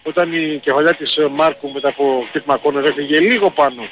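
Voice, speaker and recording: A man's voice: on the high side, steady tone. A man phoning in a live match report, hesitant with many fillers. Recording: noisy phone line.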